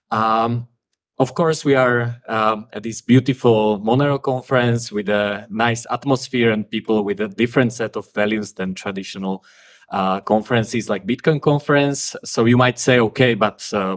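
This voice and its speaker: A man giving a talk at a conference, blunt and frank, with frequent "uh" fillers. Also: fairly low pitch. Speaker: conference speaker.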